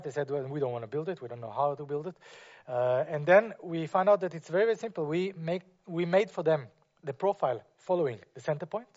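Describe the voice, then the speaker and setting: An architect presents his work to an audience in non-native English, his slightly high, a little mellow voice hesitant and full of fillers and restarts. The audio is muffled, like a lo-fi lecture recording.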